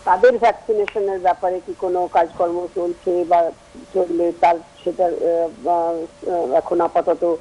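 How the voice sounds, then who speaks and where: A woman's voice: on the low side, level tone, mellow, a little hiss or hum. A woman caller asking a hesitant question over a phone line that keeps breaking up and dropping out. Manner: hesitant, many pauses and fillers. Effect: phone call breaking up and dropping out. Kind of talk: call-in question to a TV panel.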